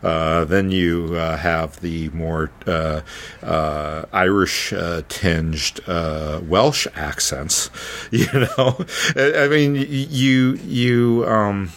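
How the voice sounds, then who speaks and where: A man's voice: deep voice, fairly even intonation, drawn-out words, a bit bright. A male podcast host talks casually. He is hesitant, stammering over small words and repeating them while he hunts for what to say.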